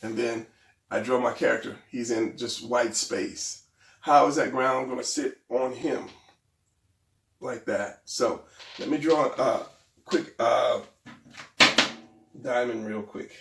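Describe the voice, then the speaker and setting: Male drawing instructor, gravelly and a bit stuffy, rambling and hesitant, recorded off-mic in a roomy space. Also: mid-range voice, slow pace, long pauses, far from the mic, a little hiss or hum. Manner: hesitant, rambling, self-deprecating. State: losing his voice, a little stuffy. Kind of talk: casual drawing tutorial.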